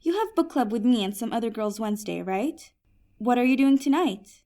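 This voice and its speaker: A woman's voice: on the high side, animated, normal speed, warm tone. A woman playing a kind, earnest, persuasive djinnia in a fantasy comedy audio drama. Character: Peri, kind, earnest young djinnia of smokeless fire.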